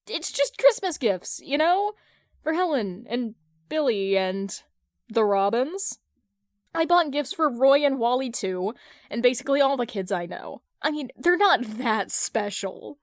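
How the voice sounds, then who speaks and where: A woman's voice: on the high side, sing-song, unhurried, no room sound, studio quality. A woman voicing a defensive, flustered forty-year-old man who protests and stammers in an audio fan fiction reading.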